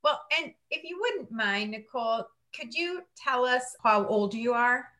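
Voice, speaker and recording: A woman's voice: fairly high pitch, animated, measured pace, bright, forceful tone. A woman hosting an interview, asking questions in a friendly, encouraging, polite way. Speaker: interview host. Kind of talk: conducting an interview.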